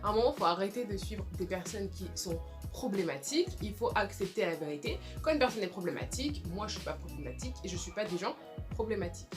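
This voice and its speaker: A woman's voice: mid-range voice, lively intonation, fast talker, over music. A young woman giving casual, emphatic commentary in a vlog, repeating her points and often saying sorry. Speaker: video creator.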